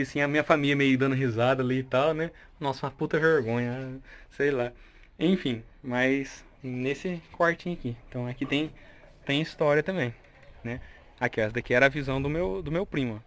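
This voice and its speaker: A young man with a Brazilian Portuguese accent, telling family memories in a chatty way and often ending with a question tag while he walks through an old family house. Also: a little high. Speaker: vlogger touring his grandparents' house. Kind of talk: casual nostalgic storytelling.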